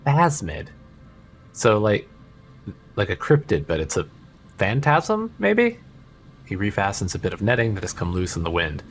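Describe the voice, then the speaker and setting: A man's voice: on the low side, huge pitch swings, unhurried, pauses often, a little hiss or hum. A man hosting a let's play, reading dialogue aloud and joking around in a rambling, self-interrupting way. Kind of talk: casual game commentary and reading dialogue.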